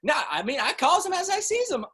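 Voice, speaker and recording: Young guy hosting an interview, playful and into it, pitch all over the place. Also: sing-song, fairly quick, pushed and bright. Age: young adult. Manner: enthusiastic, playful. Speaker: interview host. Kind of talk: animated, showy interviewing. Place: video call from indoors.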